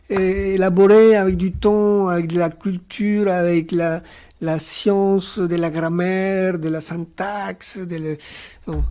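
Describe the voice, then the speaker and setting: A man whose first language is Spanish, speaking on a round-table panel as a guest author, thoughtful and hesitant with many pauses and fillers. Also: high-pitched, dark tone. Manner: reflective, philosophical.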